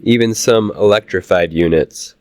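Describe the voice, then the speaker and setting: A man with a Midwestern American accent, casually narrating a walk through a model train show, halting with fillers while he gets over a cold. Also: lowish voice, no room sound. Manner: relaxed, halting with many "uh" fillers. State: recovering from a cold. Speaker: channel host touring a train show.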